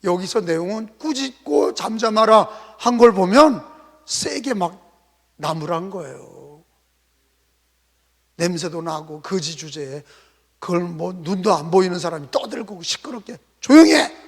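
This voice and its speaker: A male pastor preaching a sermon in a church, emphatic, firing off rhetorical questions and bursting out loud. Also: sits high, unhurried, long pauses, husky. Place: church sanctuary. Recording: long hall reverb.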